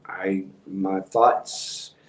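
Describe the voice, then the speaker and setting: A man, hosting a livestream and rambling in a calm monotone with many ums. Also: deep voice, drawn-out words, echoey room, rough recording. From Texas. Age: 50s. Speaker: house painting business owner hosting a livestream. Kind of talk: rambling casual livestream talk.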